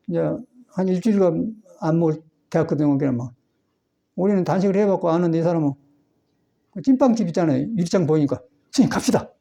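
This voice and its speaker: A man's voice: a little high, mellow. A man, a Buddhist monk, giving a folksy Sunday dharma talk in a temple hall, chatty and meandering with frequent chuckles. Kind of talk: folksy sermon.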